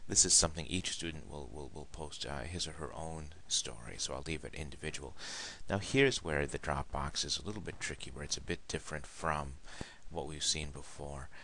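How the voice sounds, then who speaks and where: A soft-spoken man with a very deep, low pitch, a bright, sharp tone, vocal fry and a fairly quick pace. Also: fairly even intonation. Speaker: instructional technology trainer for teachers. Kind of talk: tutorial. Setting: at home. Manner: halting.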